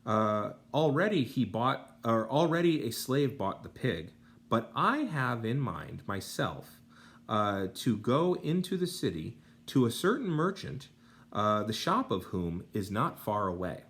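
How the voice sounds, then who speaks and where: An American man giving a Latin lesson, reading aloud and translating with deliberate pauses and informal asides. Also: medium pitch, big pitch swings, a bit bright. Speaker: Latin teacher.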